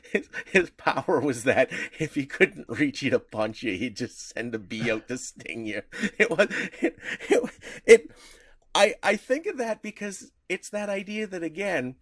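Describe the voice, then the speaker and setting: A man's voice: lively intonation, a little slow, fairly bright tone, no room sound. A man co-hosting a podcast, talking casually and rambling with frequent chuckles. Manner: rambling, chuckling, pitch jumping around. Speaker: podcast co-host. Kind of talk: casual chat.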